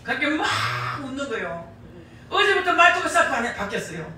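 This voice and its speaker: A middle-aged woman with a Gyeongsang Korean accent preaches in a church sanctuary, her high voice very animated and sharp at normal speed. Her sermon is emphatic and folksy, repeating key phrases for weight. The echoey hall and distant mic come with slight background noise.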